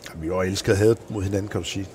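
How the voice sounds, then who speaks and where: A man, a former handball coach, telling animated stories in an interview and acting out the people he quotes. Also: deep voice, slight background noise. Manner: animated, acts out quoted voices in anecdotes. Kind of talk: anecdotal interview storytelling.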